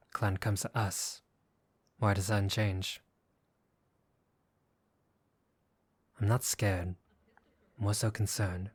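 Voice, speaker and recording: A man's voice: lowish voice, darkish tone, no room sound. A man playing a wary, streetwise young gangster for hire in a roleplay audio drama, guarded and sardonic, with casual street talk. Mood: uneasy, guarded.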